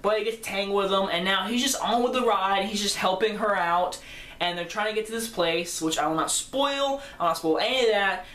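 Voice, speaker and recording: A man's voice: high voice, sharp tone. A fifteen-year-old boy giving an enthusiastic, rambling casual movie review that keeps correcting itself. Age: teenager, fifteen. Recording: roomy echo.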